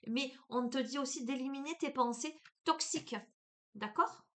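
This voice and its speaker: A woman with a Marseille accent giving a spiritual card reading, talking casually and warmly to the listener with lots of fillers and restarts. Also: high-pitched, moderate pace. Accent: Marseille French. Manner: chatty, hesitant, many fillers, addresses listener as tu. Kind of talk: casual spiritual guidance talk.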